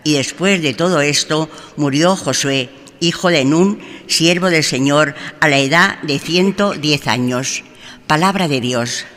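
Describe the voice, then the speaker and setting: Guy reading psalms at mass, formal and bright, echoey church. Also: a little high, a little slow. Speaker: lector. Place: large church. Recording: church reverb with faint ambience.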